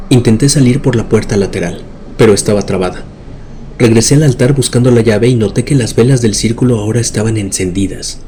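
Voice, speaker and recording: A man's voice: lowish voice, dark tone, a little hiss or hum. A man narrating scripted horror stories in a dramatic, suspenseful way. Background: music bed.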